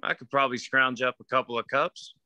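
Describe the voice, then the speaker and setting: A man reads the part of a folksy, laconic restaurant keeper in a small-town drama. The voice is very bright and sharp, closely recorded and dry, with an understated delivery. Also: mid-range voice, steady tone, fairly quick, no echo. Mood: wry. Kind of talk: screenplay table read.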